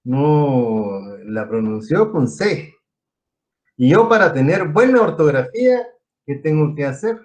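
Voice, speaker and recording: A man's voice: fairly high pitch, sing-song, slow. A man from Guatemala teaching an online engineering class, explaining step by step and quizzing his students. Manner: explanatory, asks students questions.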